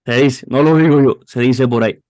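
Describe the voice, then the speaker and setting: A man's voice: mid-range voice, a little fast, darkish tone, dry recording. Young Cuban man with a dry close sound. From Cuba. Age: 20s. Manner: rambling, frequent restarts and repeated words. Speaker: youth pastor. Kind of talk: personal testimony interview.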